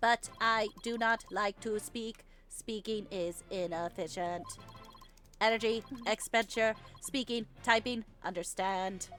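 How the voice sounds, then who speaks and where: Against clear background noise, a female-sounding voice in a robotic, put-on character voice speaks at a fairly high pitch. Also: fairly slow pace. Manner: flat, clipped, monotone.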